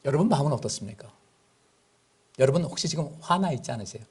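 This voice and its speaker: Husky man preaching with lively pitch. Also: fast talker. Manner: conversational preaching, asks the congregation questions. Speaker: pastor. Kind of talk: sermon.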